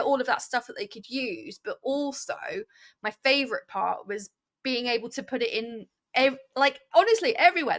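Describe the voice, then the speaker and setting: A woman, an early years teacher talking casually on a podcast, telling animated stories full of fillers. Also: on the high side. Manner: animated storytelling with many fillers. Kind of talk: casual chat.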